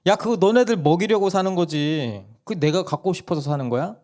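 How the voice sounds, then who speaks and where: A hoarse man voicing a blunt mother who curtly refuses her child's demands. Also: high voice, brisk, voice pushed up, close to an everyday voice. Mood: curt, dismissive. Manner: curt, flatly dismissive.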